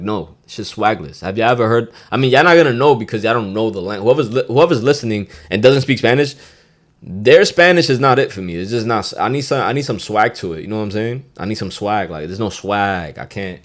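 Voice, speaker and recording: A young podcast host of Dominican heritage gives a loose, slangy Spanish lesson, swearing and sprinkling in Spanish phrases. His voice is lowish and animated, and he talks a little fast.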